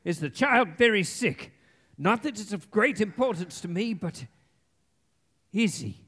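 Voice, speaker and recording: A man playing an old miser, uneasy and pleading, with halting, anxious speech in a live stage radio play. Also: high-pitched, expressive, bright, forceful tone, exaggerated voice. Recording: live stage recording in reverberant hall.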